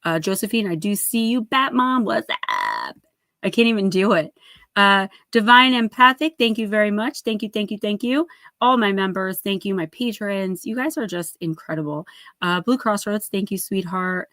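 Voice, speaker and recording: A woman's voice: mid-range voice, moderate pace, a bit bright, no room sound, studio quality. A woman in her early forties hosting a casual livestream, chatting effusively and greeting viewers with endearments. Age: early 40s. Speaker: livestream host and oracle card reader.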